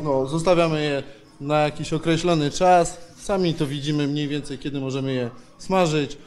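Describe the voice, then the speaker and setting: A man's voice: on the high side, darkish tone. A man in his thirties, a baker, explaining a process step by step in an informal, matter-of-fact way on a handheld microphone. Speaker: pastry baker. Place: tiled bakery production hall. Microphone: handheld microphone held by interviewer.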